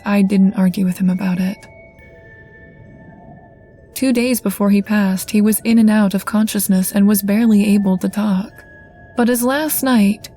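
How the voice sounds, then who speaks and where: Mellow-voiced woman narrating a story. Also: medium pitch. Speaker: guest narrator. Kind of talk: scripted first-person story narration.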